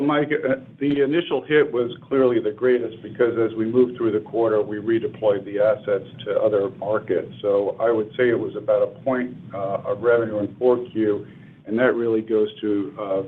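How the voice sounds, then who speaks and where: Low-voiced male executive on a phone line. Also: fairly even intonation, moderate pace. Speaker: airline executive answering analysts. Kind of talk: earnings call answers. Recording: narrow phone-line conference call audio.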